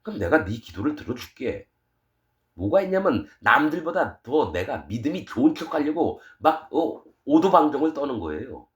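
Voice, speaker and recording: A middle-aged man preaching a sermon as pastor, fiery and scolding, switching between loud outbursts and quiet asides. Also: medium pitch, very animated, normal speed.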